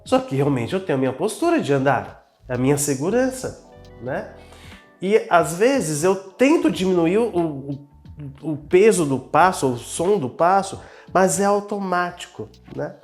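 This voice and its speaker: Higher-voiced Brazilian man telling his story. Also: sing-song, a little slow, a little mellow, soft background music. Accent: Brazilian Portuguese. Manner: earnest, personal, self-reflective storytelling. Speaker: business owner and guest. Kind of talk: casual conversation.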